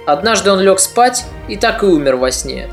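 Woman narrating history over soft music. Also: mid-range voice, lively intonation. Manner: measured, reflective storytelling. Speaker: podcast narrator.

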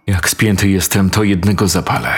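A man's voice: low voice, fairly even intonation, moderate pace, breathy edge. A man voicing a young man, an old school friend who talks in a conspiratorial, coarse way.

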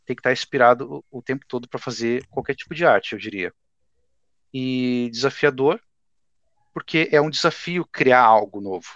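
A man's voice: mid-range voice, fairly bright tone, no echo, highs cut off. A man in his twenties, a guest artist, chatting casually and laid-back on a podcast. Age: 20s. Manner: laid-back, says "cara" often.

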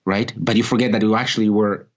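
A man's voice: lowish voice, fairly even intonation, quick pace, lo-fi sound. A man whose first language is not English, a podcast guest giving earnest encouraging advice in casual chat, often tagging "right?". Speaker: podcast guest, course creator.

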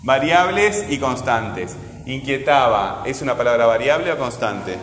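A male teacher gives a patient grammar lesson, speaking slowly and stretching out syllables. He keeps checking with "¿verdad?", and his voice carries a long reverb, as if in a bare room. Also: medium pitch, lively intonation, a bit bright, slight background noise. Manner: asks frequent guiding questions with "¿verdad?".

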